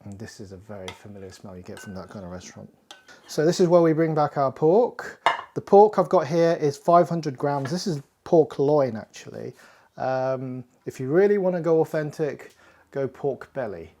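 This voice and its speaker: A man's voice: mid-range voice, lively intonation, moderate pace, warm tone, slight background noise. A man hosting a casual home cooking tutorial, chatty and self-deprecating as he walks through each step. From Hakka Chinese family. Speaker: cooking show host.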